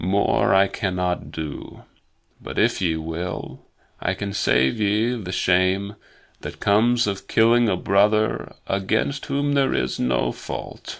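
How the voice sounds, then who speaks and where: Against a quiet background, a man puts on a character voice. It sits fairly low and moves at a fairly slow pace. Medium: read story. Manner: dignified, grave.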